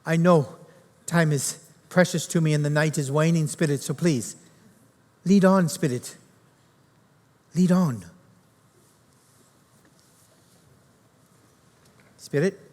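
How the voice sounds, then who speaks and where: A man's voice: fairly high pitch, measured pace, long pauses, darkish tone, lightly acted. A man playing the old miser Scrooge, live on stage in a musical. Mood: fearful. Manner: pleading, then wondering and gleeful. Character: old miserly man, softening into a joyful one. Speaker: stage actor. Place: theatre stage. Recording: hall reverb with pit music.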